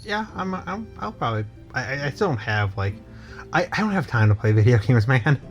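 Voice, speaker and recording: A man's voice: mid-range voice, sing-song, fairly quick, highs cut off. A young man with a mid-range voice rambles through a goofy made-up story, stammering and doubling back on his words. The delivery is casual and unpolished, like a chat between friends, and faint music sits under the talk. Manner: stammering, repeats words, goofy nonsense humor. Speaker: co-host.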